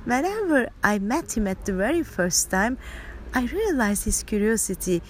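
A woman's voice: fairly high pitch, very animated, moderate pace, slight background noise, poor audio. A woman hosting, introducing the next speaker with enthusiasm and slight hesitations. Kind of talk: warm introduction.

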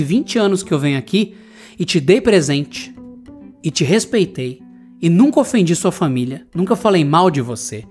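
A man's voice: high-pitched, a little mellow, husky. A man with a Brazilian Portuguese accent hosting a solo podcast, telling a story in a blunt, profane, indignant rant. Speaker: podcast host. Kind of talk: solo podcast monologue, ranting anecdote.

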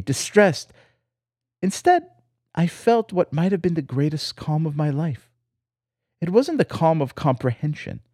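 Reading a reflective personal essay from a script, an Israeli host tells it with wry, lyrical flair. His voice is fairly high and a little mellow, and the studio recording is clean and dry.

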